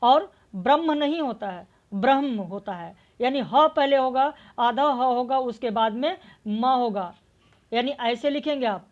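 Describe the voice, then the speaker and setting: A Hindi literature teacher leads an exam-prep language lesson in a fairly high, unhurried voice, and the recording's high frequencies are cut off. She works through word meanings and spellings one step at a time, posing questions and answering them herself.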